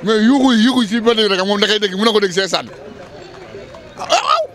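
A young man answering a street interview outdoors, talking loudly and emphatically into handheld mics. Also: high-pitched, fairly quick, some chatter behind. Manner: loud, emphatic and animated. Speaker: passer-by interviewee. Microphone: handheld reporter mics held close.

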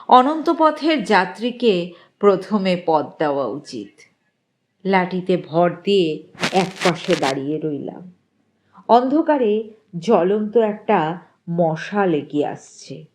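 A woman reading an eerie short story aloud as dramatic narration, with a suspenseful delivery and deliberate pauses. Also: on the low side, slight background noise.

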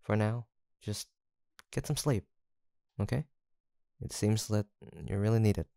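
A man playing a gentle, teasing young college roommate in an intimate audio roleplay, with a soft-spoken, hesitant manner. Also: fairly low pitch, measured pace, no room sound, clean studio sound. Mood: gentle, tender. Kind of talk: intimate boyfriend-style roleplay acting, one-sided conversation.

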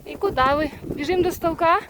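High-voiced woman on horseback outdoors. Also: quick pace. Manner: calls out to horses, urging and soothing. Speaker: horse owner vlogger. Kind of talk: casual vlog narration while riding. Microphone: camera carried while riding. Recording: loud outdoor noise, hoofbeats. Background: loud hoofbeats and outdoor noise.

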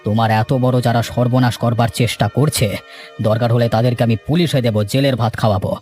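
A man playing a stern, righteous village gentleman in a cartoon moral story, speaking with reassuring authority. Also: mid-range voice, fairly even intonation, fast, faint music behind, natural voice. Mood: concerned, reassuring. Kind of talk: Bengali moral cartoon dubbing.

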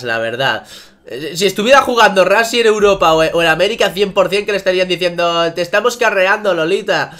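High, bright-voiced Spanish esports caster. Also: male voice. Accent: Spain Spanish. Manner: profane, repeats phrases, excitable during fights. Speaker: esports commentator. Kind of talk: solo game commentary over match footage.

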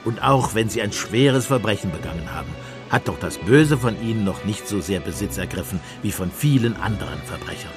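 An actor playing a shrewd, compassionate priest detective in a radio play, speaking in a measured, persuasive pastoral manner. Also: male voice, on the low side, expressive, over music, lightly acted. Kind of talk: German radio play acting.

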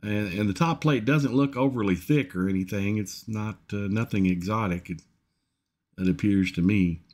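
A man hosting a repair channel, giving a casual off-the-cuff update in a halting, folksy way. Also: fairly low pitch, darkish tone. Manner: halting, hesitant, folksy phrasing. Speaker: host of an engine repair channel.

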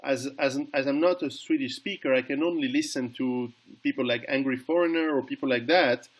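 Man, middle-aged, husky, halting questions, video call. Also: mid-range voice. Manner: halting, with many restarts. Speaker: interviewer. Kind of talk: interview questions.

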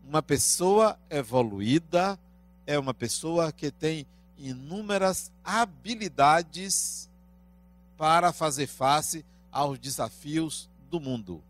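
Slow-talking brazilian guy in his 50s, lecture with lots of rhetorical questions, handheld mic, kinda high voice. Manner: slow, deliberate, rising and falling in loudness. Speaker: spiritist lecturer. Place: small indoor lecture room. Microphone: handheld microphone.

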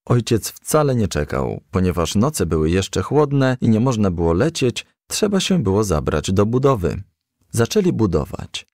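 A man's voice: fairly low pitch, sing-song, normal speed, darkish tone, no echo, clean studio sound. A man reading a children's story aloud as scripted audiobook narration. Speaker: audiobook reader.

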